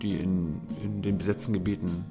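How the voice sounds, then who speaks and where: A male podcast host with a fairly low, gravelly voice. He asks informal, direct questions in a casual interview, with music clearly audible behind him. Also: little pitch movement, normal speed.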